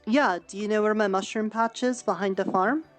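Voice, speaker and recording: A woman's voice: medium pitch, fairly even intonation, moderate pace, faint music behind. A woman streamer roleplaying in character, motherly and practical as she hands out food and advice.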